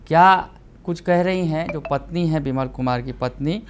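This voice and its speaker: Fairly high-pitched male news anchor. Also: a little hiss or hum. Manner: brisk, emphatic news delivery. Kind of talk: news report.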